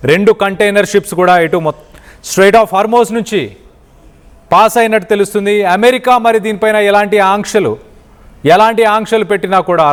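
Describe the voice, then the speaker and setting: A man's voice: high voice, clear, resonant tone, long reverb tail. A man from India presents news analysis emphatically, repeating phrases for stress.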